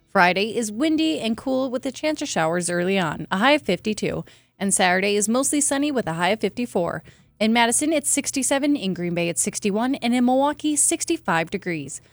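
A woman's voice: a little high, lively intonation, fairly quick, vocal fry, no echo. Woman reading a radio weather forecast. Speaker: weather and news reader.

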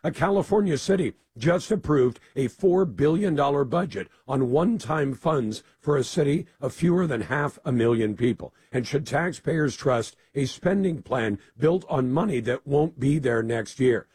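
A man hosting a call-in talk radio show, slightly hoarse with gravel in his voice, blunt and argumentative with callers. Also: medium pitch, lively intonation, normal speed, hardly any pauses, a little mellow, dry recording.

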